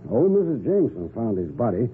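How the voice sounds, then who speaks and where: An actor playing a gruff, folksy small-town police sheriff with a rustic drawl in a 1940s radio drama. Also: male voice, fairly low pitch, huge pitch swings, fast. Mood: plain, helpful. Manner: folksy, plain-spoken. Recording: muffled, noisy 1940s radio recording.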